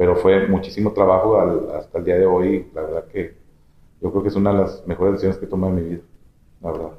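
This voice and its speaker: Very fast and monotone, a man talks in a very deep, low voice with flat intonation. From Monterrey, northern Mexico. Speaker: entrepreneur. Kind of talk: interview. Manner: halting.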